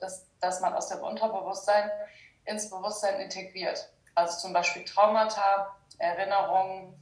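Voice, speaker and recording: Hesitant woman on a roomy distant line. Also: medium pitch. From Germany. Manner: hesitant, explanatory, many fillers. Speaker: guest, shadow work practitioner. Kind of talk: casual interview talk.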